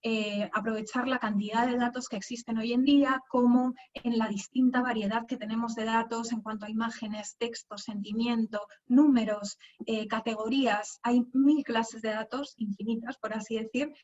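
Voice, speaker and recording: A woman's voice: fairly high pitch, steady tone, moderate pace, few pauses, darkish tone, highs cut off. A woman from Spain with a Madrid accent, giving a conversational webinar talk with many fillers and restarts. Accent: Spanish, from Madrid. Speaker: guest speaker. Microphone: video call.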